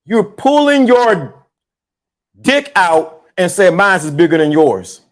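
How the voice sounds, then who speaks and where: High-voiced man riffing on a live stream. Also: slow pace. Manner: loose, animated, repeats himself, slangy. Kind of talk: casual live-stream commentary.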